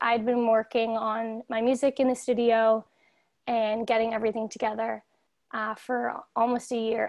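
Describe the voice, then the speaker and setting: A woman with a Canadian accent speaks at a fairly high pitch in a monotone, flat intonation. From Canada, Toronto. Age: 20s. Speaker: singer-songwriter. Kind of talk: casual interview chat. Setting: video call.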